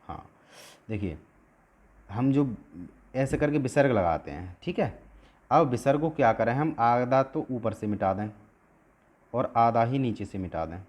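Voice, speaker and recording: A male teacher giving an explanatory lesson at a board. He asks questions and answers them himself, and sounds out each letter slowly to demonstrate. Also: medium pitch, expressive, a little mellow.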